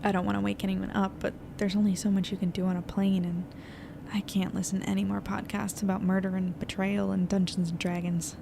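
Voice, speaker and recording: Creaky-voiced anxious young woman played by an actress. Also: mid-range voice, little pitch movement, brisk, lightly acted. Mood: weary, restless. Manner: hesitant, confiding, thinking out loud. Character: anxious, weary young woman newspaper editor on a night flight. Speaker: lead narrator of an audio fiction podcast. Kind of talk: intimate naturalistic audio drama monologue. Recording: noisy airplane cabin ambience.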